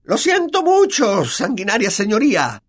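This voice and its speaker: A shrill, spiteful poltergeist in a storybook reading, sneering and then wheedling. The voice climbs very high and swings wildly in tone. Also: male voice, wildly swooping pitch, moderate pace, heavily acted. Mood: fawning. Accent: Latin American Spanish. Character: spiteful floating male poltergeist, fawning when scared.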